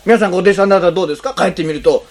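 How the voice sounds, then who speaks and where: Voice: medium pitch, very fast. A pastor giving a conversational sermon, asking the congregation rhetorical questions and acting out short spoken lines. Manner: acts out short spoken lines in changing tones.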